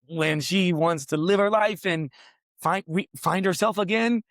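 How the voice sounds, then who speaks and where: This podcast host, a man in his forties, has a high-pitched, unhurried, slightly bright voice, recorded clean in a studio with no room sound. Lying on a massage table in New York City, he rambles through a long personal story in a casual interview conversation, often ending sentences with "right?"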